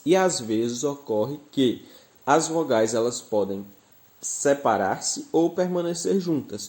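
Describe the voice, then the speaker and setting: Mellow-voiced Brazilian teacher. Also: male voice, medium pitch. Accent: Brazilian Portuguese. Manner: explains patiently, stresses example words. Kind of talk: recorded grammar lesson.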